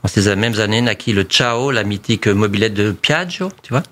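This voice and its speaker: A man's voice: fairly low pitch, lively intonation, moderate pace, bright, forceful tone. A man talking as a studio guest on a radio show, chatty and full of asides. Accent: French. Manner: chatty, peppers talk with "tu vois". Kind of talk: casual radio chat.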